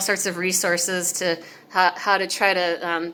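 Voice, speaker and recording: A woman's bright, sharp tone at a moderate pace. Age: 50s. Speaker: video blogger. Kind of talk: monologue. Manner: halting.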